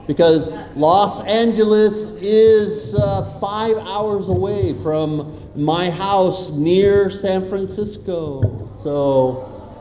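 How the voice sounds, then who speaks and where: A man's voice: high voice, extremely slow, warm tone. An American man speaking playfully to students as a guest speaker, often checking in with questions, in an echoey hall. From California, USA. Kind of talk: interactive motivational talk to students. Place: large echoey room at a school. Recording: echoey hall with long reverb.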